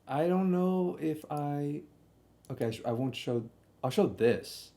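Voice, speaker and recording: A man's voice: fairly high pitch, animated, unhurried, dark tone. A young man telling a casual, slangy stream story, often doubling back and repeating himself as he comments on old videos.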